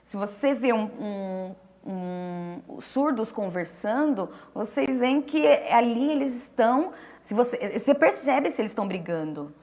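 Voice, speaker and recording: A woman interpreter explaining in a relaxed conversational way, restarting phrases and pausing as she talks. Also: fairly high pitch. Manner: explanatory, with frequent restarts and fillers. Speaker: sign language interpreter.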